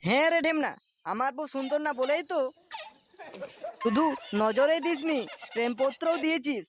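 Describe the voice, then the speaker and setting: A man's voice: very high-pitched, normal speed, a crowd in the background. A man voicing a jealous, foul-mouthed village husband in a comic cartoon, with a West Bengal accent and a blustering, coarse, threatening manner. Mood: bitter, accusing.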